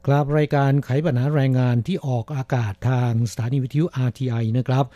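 Dark-voiced man co-hosting a radio show. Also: medium pitch, fairly quick, soft background music. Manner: relaxed, with fillers like "uh" between phrases. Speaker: co-host of a labor advice radio show.

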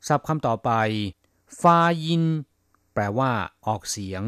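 A man teaching vocabulary on a radio language lesson, saying example phrases clearly and then explaining them. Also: expressive, no room sound, clean studio sound. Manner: reads words slowly then translates, lifting pitch on example phrases.

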